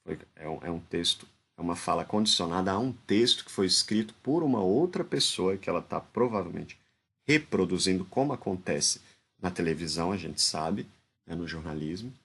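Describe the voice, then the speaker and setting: A man's voice: low voice, expressive, normal speed, gravelly, fairly bright tone, breathy edge. A man with a Brazilian Portuguese accent gives informal spoken commentary analyzing a speech. He talks hesitantly, restarts phrases often and keeps adding tag questions.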